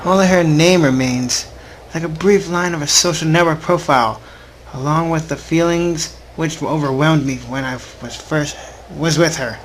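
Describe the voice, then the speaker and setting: Higher-voiced young man, noisy recording. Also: normal speed. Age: young adult. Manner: informal, stumbles when reading aloud. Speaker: gaming video host. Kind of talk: casual let's play, reading visual novel text aloud with asides.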